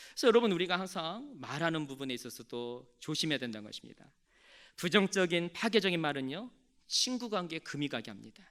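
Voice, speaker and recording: Male pastor, high and lively voice, animated sermon storyteller. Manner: animated storytelling, calls on the congregation to respond.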